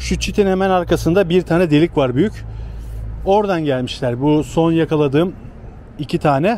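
Delivered at a moderate pace with ordinary pitch variation and very even loudness, the voice sounds dry with no echo over light background noise. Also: man. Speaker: home vlogger. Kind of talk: casual vlog chat. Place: garden. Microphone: phone near.

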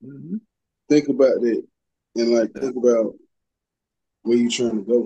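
Against a quiet background, a man with a dark, mellow tone and ordinary pitch variation speaks with long, frequent pauses. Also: moderate pace. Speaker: participant in men's group. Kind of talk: group discussion. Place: home room. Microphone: video call.

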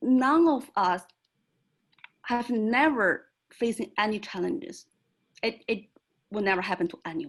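In a non-native accent, a woman speaks at a fairly slow pace with a fairly high pitch and lively intonation. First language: non-English. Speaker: board of education candidate. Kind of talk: candidate forum answer.

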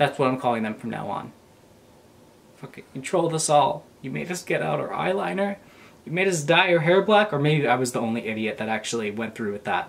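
A man's angry, animated voice at a fairly quick pace, with very wide pitch swings. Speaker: video creator. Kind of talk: comedic roast rant video. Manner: animated, dramatic, sarcastic; angry, ranting, profane, mock-outraged. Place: home room. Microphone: phone near.

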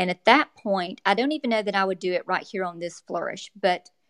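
Here is an ordinary speaking voice, a woman's, at medium pitch with lively intonation. The sound is dry and close, with no echo. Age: 50s. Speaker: professional calligrapher. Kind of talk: live lesson with demonstration. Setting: video call.

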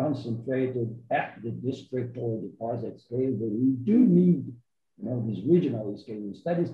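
A somewhat breathy man with a Brazilian accent speaks at a fairly slow pace, with audible room echo. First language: Portuguese. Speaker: panel moderator, mining sector executive; panel moderator. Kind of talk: panel moderation; webinar moderation, asking questions. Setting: video call. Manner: halting. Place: home room.

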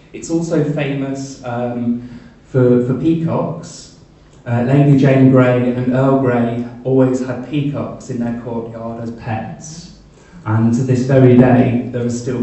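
Strong room echo surrounds a man who talks at a very slow pace with fairly even intonation. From England. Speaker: English teacher. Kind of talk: public lecture. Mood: light, humorous. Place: hall.

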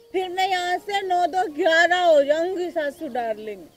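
Over faint background music, a woman with an extremely high pitch speaks at a very slow pace with ordinary pitch variation, the sound dry with no echo. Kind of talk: scripted comedy skit dialogue. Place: waterside.

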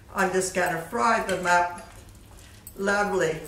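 A woman's voice with audible room echo. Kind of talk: tutorial. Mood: warm, cheerful. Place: kitchen. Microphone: camera far.

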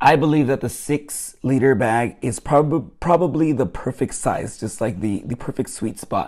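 Speaking at a fairly slow pace with ordinary pitch variation, a man is heard against a quiet background. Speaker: product reviewer. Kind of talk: product review vlog. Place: home room. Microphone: lapel.

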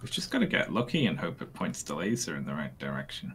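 The man speaks at a fairly quick pace. Noticeable background noise runs behind him. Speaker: streamer. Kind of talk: casual chat.

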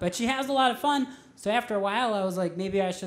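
A man with lively intonation at a fairly quick pace over noticeable background noise. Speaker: stand-up comedian. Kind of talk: stand-up comedy routine. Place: stage. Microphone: handheld.

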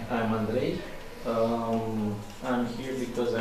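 A man talks in a flat monotone, with strong room echo and noticeable background noise. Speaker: foundation staff, workshop participant. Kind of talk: workshop discussion. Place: meeting room. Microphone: camera far.

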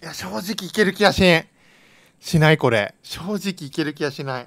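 A man's high voice with very wide pitch swings at a moderate pace, over a quiet background. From Japan. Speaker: gaming YouTuber. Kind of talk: let's play commentary. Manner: animated. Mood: nervous, joking bravado. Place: home room. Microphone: studio mic.

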